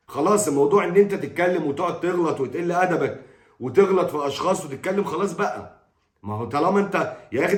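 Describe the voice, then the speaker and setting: A man's voice: a little high, roomy sound. A middle-aged Egyptian man giving an exasperated, scolding football opinion monologue. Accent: Egyptian Arabic. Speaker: football commentator.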